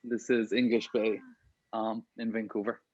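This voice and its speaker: A lower-pitched man from Syria talks as an interview guest in an informal, candid way. The sound is slightly muffled and lo-fi, like a video call, with a dry room around him. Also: level tone, measured pace, a little mellow, no room sound. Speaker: guest author being interviewed. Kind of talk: casual conversational interview. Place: small apartment home office, remote call.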